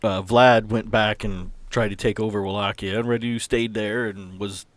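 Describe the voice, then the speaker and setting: Low-pitched man, halting explainer. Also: fairly even intonation, dry recording. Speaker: podcast guest introducing his game character. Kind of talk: casual explanatory chat.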